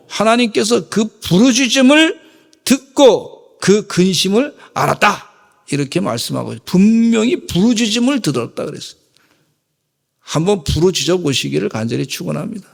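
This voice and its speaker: A middle-aged man pastor preaching a sermon with emphatic swings between loud exhortation and quiet asides. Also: fairly high pitch, vocal fry, long reverb tail. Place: church sanctuary.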